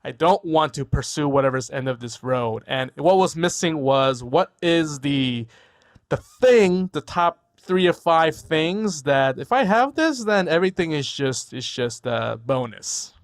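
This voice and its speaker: A New York man in his forties, a guest physician whose first language was Korean, speaks in casual interview talk over a video call from a room at home. His voice is on the high side, expressive and unhurried, and he's thoughtful and casual, repeating words and often adding "right?"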